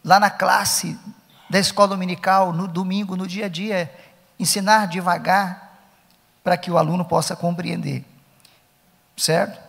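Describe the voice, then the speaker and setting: Emphatic high-voiced Brazilian pastor, gravelly. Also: male voice, steady tone, measured pace, pauses often, fairly bright tone, in a large hall. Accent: Brazilian Portuguese. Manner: emphatic, repeats key phrases. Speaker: pastor teaching Sunday school teachers. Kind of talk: conference lecture.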